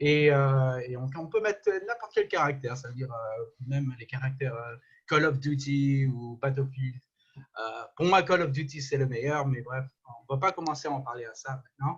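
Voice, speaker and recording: Somewhat breathy, fairly high voice of a man at a moderate pace, with ordinary pitch variation. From Paris, France. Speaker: 3D animation teacher. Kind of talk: casual chat. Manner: halting, many hesitations.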